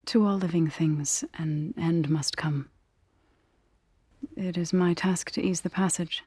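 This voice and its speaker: A solemn tribal grave singer from a video game, with a low, husky voice. She is gentle and earnest, choosing formal words with care. The sound is dry and close. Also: steady tone, no room sound. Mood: solemn, sorrowful. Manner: measured, earnest, formal phrasing. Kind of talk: video game character dialogue.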